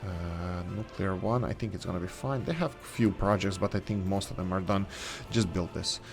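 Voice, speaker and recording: Non-native english guy doing a chill city-builder let's play, lowish voice, rambles and corrects himself, faint music behind. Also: normal speed, gravelly. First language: not English. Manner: rambling, self-correcting, thinking aloud while building. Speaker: gaming channel host. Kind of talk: casual let's-play commentary.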